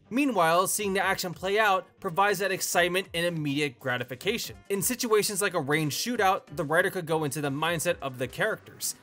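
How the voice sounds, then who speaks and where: Bright, high-pitched man narrating a scripted review. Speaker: host of a video review channel. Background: background music.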